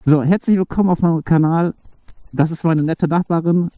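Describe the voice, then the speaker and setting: A man chats casually while he rides along a street, talking to a partner over an intercom. His voice is mellow and sits a little high, and the sound is dry and close. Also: steady tone, fairly quick, dry recording. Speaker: channel host testing an intercom. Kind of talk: casual on-the-road test commentary. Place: outdoors on a street, riding.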